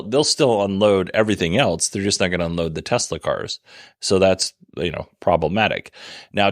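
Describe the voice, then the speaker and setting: Male podcast host, very low voice, dry close sound, chatty wry news rundown, slightly hoarse. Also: fairly bright tone, no echo. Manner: conversational, many fillers, wry asides. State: losing his voice. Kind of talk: casual news commentary.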